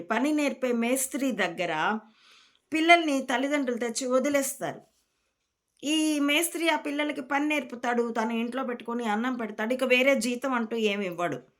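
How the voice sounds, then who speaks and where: A woman from Rayalaseema, a spiritual teacher, giving a calm, reflective discourse to her followers. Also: fairly high pitch. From Rayalaseema, India.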